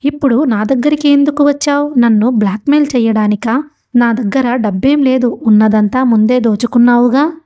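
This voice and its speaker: A woman's voice: sits high, moderate pace, dark tone, dry recording, studio quality, lightly acted. Woman voicing a frightened frail old man. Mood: fearful.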